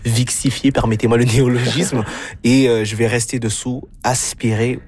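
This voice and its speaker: Male radio co-host, mid-pitched, playful and animated anecdote delivery. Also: normal speed, husky. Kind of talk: radio chat.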